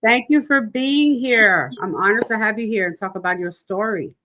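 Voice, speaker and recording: A woman's voice: medium pitch, normal speed, pushed and bright, slight background noise. A woman from New York hosting a casual livestream interview, chatty and rambling, laughing often. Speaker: podcast host. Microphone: video call livestream.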